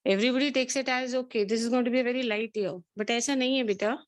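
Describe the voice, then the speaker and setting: A woman's voice: fairly high pitch, fairly even intonation, rapid-fire. A woman teacher with a South Asian accent counselling her students in an earnest, motherly, admonishing way, repeating herself and slipping Hindi phrases into English. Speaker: biology teacher addressing an online or classroom class.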